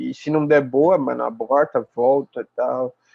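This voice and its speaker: A man speaks at a fairly slow pace. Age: 20s. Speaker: designer, studio founder. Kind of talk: casual podcast interview.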